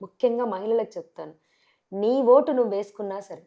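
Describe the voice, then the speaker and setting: A woman with a Telangana Telugu accent, a sarpanch candidate answering in a TV interview, forceful and full of rhetorical questions. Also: medium pitch, fairly quick, muffled recording.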